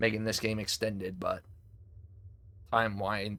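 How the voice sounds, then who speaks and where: In a very clean recording with a silent background, a man speaks at fairly low pitch with fairly even intonation. His tone is bright and sharp. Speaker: gaming streamer. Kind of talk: casual gameplay commentary. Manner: mumbling.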